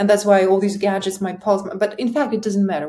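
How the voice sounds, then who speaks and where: With a non-native accent, a woman speaks at a fairly quick pace in a medium pitch with a dark, mellow tone. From Kazakhstan. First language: non-native English speaker. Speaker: English teacher. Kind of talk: casual chat.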